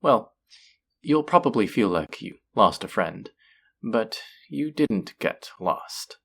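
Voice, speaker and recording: A flirty demon of an underworld casino , acted by a man, speaks slowly in a roleplay audio drama, with pitch that swoops and slides. He is seductive and possessive, stretching his phrases to tease and taunt the listener. Gravelly fry runs through the voice. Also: sing-song, a bit bright, exaggerated voice. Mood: teasing, taunting.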